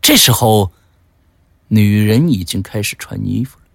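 A man narrating a suspenseful story in a slow, hushed way. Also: on the low side, expressive, vocal fry, no room sound, studio quality.

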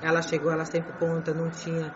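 A middle-aged woman whose first language is Chinese, answering interview questions in a halting way, repeating phrases and restarting words. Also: deep voice, monotone, noisy background. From grew up in Beijing, China. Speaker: interview guest. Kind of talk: conversational interview. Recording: muffled with crowd murmur behind.

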